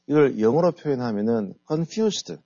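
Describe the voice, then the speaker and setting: A middle-aged man who heads a company, being interviewed on the radio. He explains his ideas in a measured way. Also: mid-range voice, animated, warm tone, dry recording. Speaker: guest author and company head. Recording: dull lo-fi radio studio audio.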